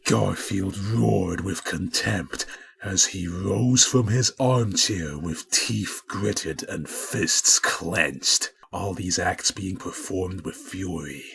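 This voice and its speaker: A man's voice: sits low, takes it slowly, gravelly, a bit bright. A man delivering scripted narration in a pompous, overwrought mock-epic style, as a grandly dramatic storyteller. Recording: music behind the voice. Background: prominent music.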